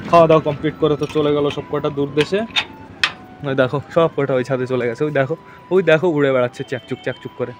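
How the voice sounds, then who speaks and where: A high-pitched man with a lilt talks quickly and chattily, addressing his viewers as he films his pigeons on a rooftop. He coaxes the birds now and then. Faint cooing sits under his voice. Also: fairly even intonation, background noise. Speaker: pet pigeon vlogger. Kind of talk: casual vlog commentary to viewers.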